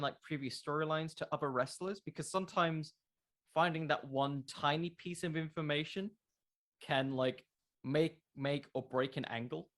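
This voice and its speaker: A man's voice: on the high side, a bit bright. Young man in casual interview chat. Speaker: podcast creator, interview guest.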